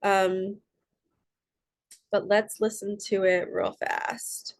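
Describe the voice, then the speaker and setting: A woman speaks at a middle pitch, giving a casual, heartfelt spiritual reading to her viewers. She rambles warmly and earnestly from one thought to the next. Her voice comes out a little froggy and nasal. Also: level tone, very slow. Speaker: spiritual coach and tarot reader.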